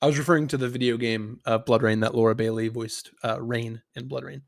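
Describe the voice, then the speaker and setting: A man hosts a casual podcast with quick, conversational delivery. His pitch is average and the sound is dry, with very little room on it. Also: fairly even intonation, vocal fry, no echo. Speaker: podcast host moving segments along.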